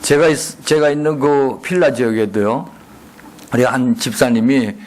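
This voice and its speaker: 질문을 던지며 설교하는 남성 목사. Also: male voice, medium pitch, moderate pace, a little mellow. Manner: call-and-response, frequent rhetorical questions. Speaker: guest pastor. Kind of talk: sermon. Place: church sanctuary.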